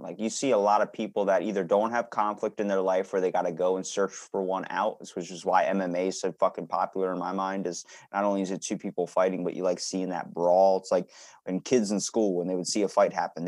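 Blunt, low-voiced man hosting a casual podcast. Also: darkish tone, no echo. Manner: blunt, profane, informal. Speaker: podcast host. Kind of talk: casual chat, opinionated rambling.

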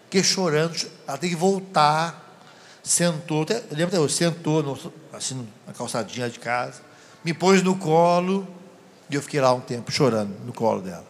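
Animated storytelling male preacher. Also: a little high, moderate pace. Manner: animated, laughing storyteller addressing an audience. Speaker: deacon preacher. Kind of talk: sermon with personal storytelling.

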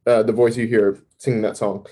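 A man who serves as a campus minister, a podcast guest who tells a personal testimony in animated storytelling bursts, with fillers and restarts. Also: lowish voice, fairly quick, a little hiss or hum, low-quality recording. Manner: animated storytelling, acting out his own past thoughts.

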